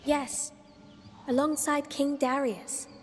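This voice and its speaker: High-voiced, enigmatic young girl guide. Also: level tone. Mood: calm, informative. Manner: unhurried, cryptic, gently teasing. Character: enigmatic playful girl guide in a cursed mythic Persia. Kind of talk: video game dialogue. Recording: long reverb, faint music behind.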